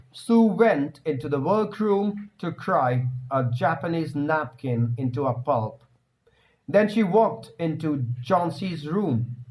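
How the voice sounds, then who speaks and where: A man narrates a scripted short story in a high voice. His pace is slow and deliberate, and he dramatizes the telling as a storyteller would. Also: darkish tone, low-quality recording.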